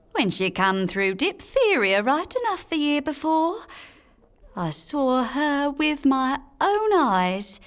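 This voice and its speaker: A woman's voice: on the high side, a bit bright, pitched above the performer's own voice, exaggerated voice. A woman playing a young, suspicious Cockney flower girl, gossiping emphatically in a radio drama monologue.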